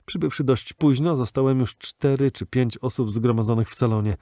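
A man reads a classic novel aloud as an audiobook narrator, steady and measured. His voice is dark and mellow, recorded dry and close with no room sound. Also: mid-range voice, no echo. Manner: measured, even storytelling.

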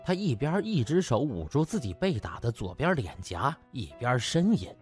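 A man narrating a comic audiobook in a theatrical, colloquial storyteller's manner with a husky voice. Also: mid-range voice, sing-song, normal speed, soft background music.

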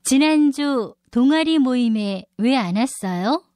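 A woman reading short questions in a scripted listening-test dialogue with a clear, questioning delivery. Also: sits high, expressive, takes it slowly, darkish tone, no room sound. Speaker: dialogue reader on a Korean listening exam.

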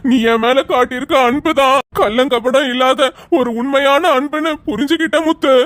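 A woman's voice: high-pitched, fairly even intonation, moderate pace, fairly bright tone, no echo. A woman voicing a remorseful young husband. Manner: apologetic, tender. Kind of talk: cartoon voice acting.

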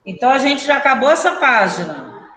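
A woman with a Brazilian Portuguese accent teaching a primary class online, brisk and questioning, calling pupils by name. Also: sits high, sing-song, fairly bright tone, reverberant, low-quality recording.

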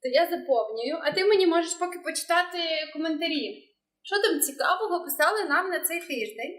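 A woman co-hosting a cocktail show, chatting in a lively, enthusiastic way. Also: very high voice, fairly quick. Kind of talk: casual chat. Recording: echoey room.

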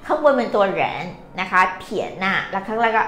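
A woman's voice: mid-range voice, fast talker, fairly bright tone. A woman teaching vocabulary live, patiently explaining character strokes and quizzing her viewers. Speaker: Chinese language teacher. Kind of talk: live-streamed vocabulary lesson. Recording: echoey room, faint noise.

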